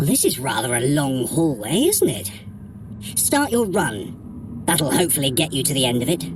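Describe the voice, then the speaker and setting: The speaker uses a put-on character voice at a moderate pace. Clear background noise runs underneath. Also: man, medium pitch for a man. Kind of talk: fitness app audio drama. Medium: audio drama. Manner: arch, dryly sardonic, smug.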